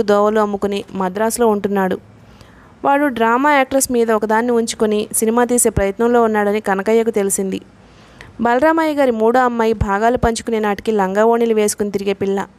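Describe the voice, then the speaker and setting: A woman reading a novel aloud in a steady, measured way, voicing the dialogue herself. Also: on the high side. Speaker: audiobook narrator.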